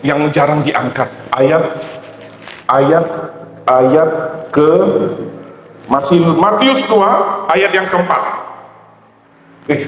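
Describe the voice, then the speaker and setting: Animated Indonesian pastor in echoey hall. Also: male voice, on the high side, a little hiss or hum. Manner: animated, acts out dialogue, shouts to wake the congregation. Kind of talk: sermon. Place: large church hall. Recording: echoey church hall, faint ambience.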